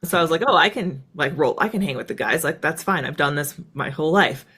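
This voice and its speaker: An American woman, a former military fighter pilot, speaks as an interview guest in a low, animated, quick voice that's bright, forceful and slightly rough. She tells her story casually and reflectively, peppering it with "like" and "right."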